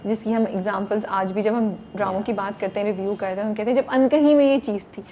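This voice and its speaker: A woman's voice: mid-range voice, fairly even intonation, mellow, slight background noise. A woman hosting a casual interview, agreeable and engaged, switching between Urdu and English.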